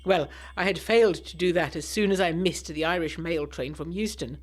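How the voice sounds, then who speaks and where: A woman's voice: on the low side, moderate pace, natural voice. An actress playing an earnest, anxious young Englishwoman of the 1920s, reading her letter in formal, articulate English tones for a gothic audio drama. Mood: urgent, confiding. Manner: formal, articulate, expressive period diction.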